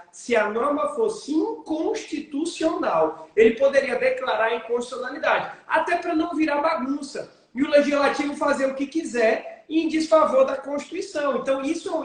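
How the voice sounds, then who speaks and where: A man, a lawyer and interview guest, explaining legal points in a measured way and posing rhetorical questions to himself. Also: very high voice. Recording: very echoey room.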